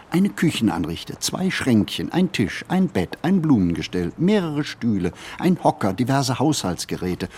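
A low male voice gives the inner monologue of a brooding city flaneur. He phrases deliberately and reflectively, observing everything around him as in a literary radio play. Clear ambient noise sits behind the voice. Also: darkish tone. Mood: observant, musing.

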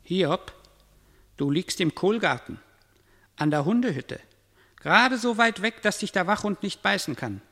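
A grave, moralising male storyteller in a literary radio play. His raised, fairly high voice rings with long reverb as he declaims solemnly and ominously. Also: expressive, a little slow, long pauses, a bit bright, exaggerated voice. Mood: grave, menacing. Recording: long reverberant hall echo.

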